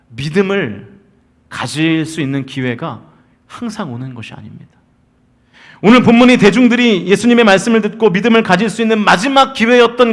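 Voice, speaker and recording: A man in his forties preaching a Sunday sermon as senior pastor in a church sanctuary, swinging between loud emphatic calls and soft storytelling. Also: sits high.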